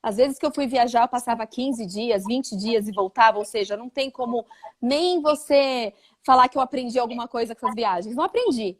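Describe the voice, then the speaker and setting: A woman's voice: on the high side, brisk. A woman from Brazil, an English teacher, chatting casually in an interview and acting out quoted voices. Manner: animated, acts out quoted voices.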